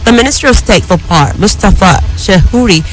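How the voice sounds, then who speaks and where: A woman with a Nigerian accent reads scripted radio news as an anchor, in a formal, measured way. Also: mid-range voice, expressive, soft background music, rough recording. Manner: formal, measured newsreader delivery.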